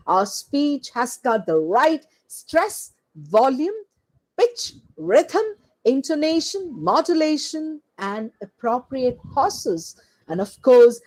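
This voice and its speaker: Slow, husky, animated woman lecturer. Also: low-quality recording. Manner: slow, deliberate delivery with animated pitch; lists points one word at a time. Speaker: teacher trainer giving a lecture. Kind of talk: slide-based lecture.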